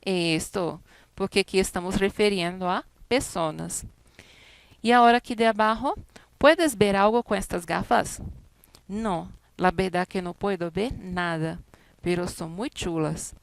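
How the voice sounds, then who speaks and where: A woman's voice: mid-range voice, unhurried, gravelly, dry recording. A woman teaching a Spanish class, explaining grammar step by step and reading out example words and sentences, speaking.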